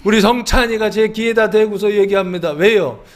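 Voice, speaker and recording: A middle-aged male pastor preaching a sermon, asking the congregation questions and answering them himself, slowing down to stress words and sometimes shouting. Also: sits high. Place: church sanctuary.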